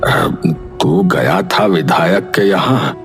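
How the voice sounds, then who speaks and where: A man playing a weary, resigned older village headman in a dramatized story, halting and fatherly. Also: low voice, expressive, exaggerated voice. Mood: sorrowful, resigned. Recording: music under the voice.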